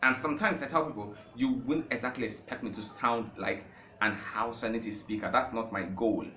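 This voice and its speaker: A Nigerian language teacher, a native Igbo speaker, gives an informal talk on learning languages in a medium-pitched, rather fast, sharp-toned male voice. He speaks emphatically, repeating phrases for stress and building to impassioned peaks, recorded in an echoey room with faint background noise.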